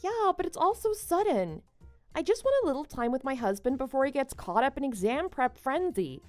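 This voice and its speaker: A woman playing a devoted but slightly needy wife in a scripted online story drama, speaking in an expressive, conversational way. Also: high voice, brisk, no room sound, soft background music. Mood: pleading.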